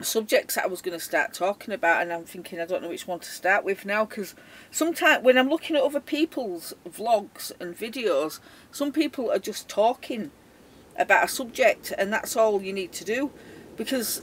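A woman talks at a moderate pace with very wide pitch swings. Her loudness swings a lot too. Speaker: vlogger. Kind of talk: casual vlog chat. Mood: uneasy, anxious about storm. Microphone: webcam.

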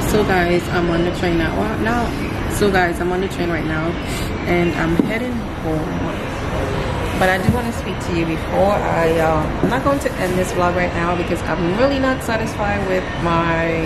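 Loud background noise behind a woman's moderately paced speech. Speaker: vlogger. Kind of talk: casual vlog chat. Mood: opinionated, defending someone. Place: train. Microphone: phone near.

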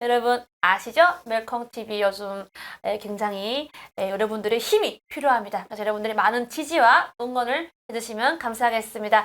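A woman's fairly high-pitched, ordinary speaking voice at a moderate pace. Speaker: show host. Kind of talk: interview, talk show.

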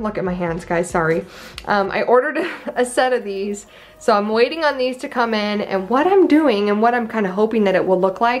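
At a moderate pace, a woman is talking. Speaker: home renovation vlogger. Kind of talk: casual vlog chat. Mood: upbeat, excited. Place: home room. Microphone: phone near.

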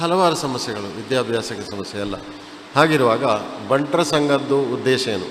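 Audible room echo and noticeable background noise around a male speaker. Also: medium pitch for a man, ordinary pitch variation. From Kerala, Kasaragod. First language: Tulu (speaking Kannada). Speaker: businessman, chief guest. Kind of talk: inaugural speech. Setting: stage with audience.

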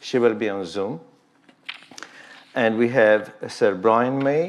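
A man talks at a fairly slow pace with fairly even intonation. Light background noise is present. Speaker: event host. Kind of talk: formal introductions at a press conference. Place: hall. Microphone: podium.

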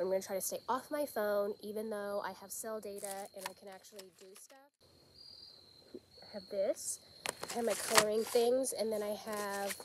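A woman talks at a moderate pace with long, frequent pauses and fairly even intonation. The sound is dry with no echo, and there is noticeable background noise. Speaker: vlogger. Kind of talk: casual vlog chat. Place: open country. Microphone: phone near.

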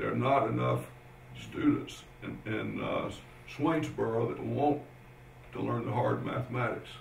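A man at a fairly slow pace with long, frequent pauses, audible room echo and noticeable background noise. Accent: Southern US. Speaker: professor, retired engineer. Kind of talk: lecture.

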